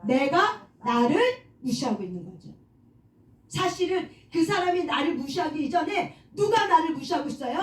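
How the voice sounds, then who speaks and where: Woman preacher, high voice, call-and-response questions, echoey room a bit off-mic. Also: a little mellow, distant mic. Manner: asks the audience questions and answers them, calls for amens. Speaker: prayer meeting leader. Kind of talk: sermon on self-forgiveness.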